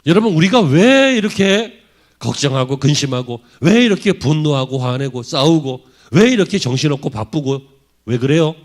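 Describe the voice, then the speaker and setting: A male pastor delivers a sermon in a church, his voice sitting a bit high for a man and swinging widely in pitch. He keeps pressing his listeners with rhetorical questions, dropping low and soft at times, then lifting his voice again. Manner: animated preaching full of rhetorical questions to the congregation. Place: church sanctuary.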